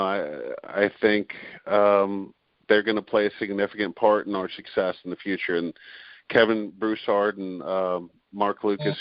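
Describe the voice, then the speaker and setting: Appearing as a podcast guest, a forties-aged beep baseball player who also serves as league president talks in an earnest, conversational way, often restarting and using fillers. His fairly low voice comes through a muffled recording without echo.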